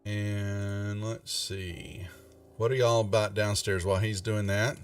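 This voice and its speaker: A man narrating a casual tabletop game as game master, halting and often restarting his phrases. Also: fairly low pitch, level tone. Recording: distant mic with music behind. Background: background music.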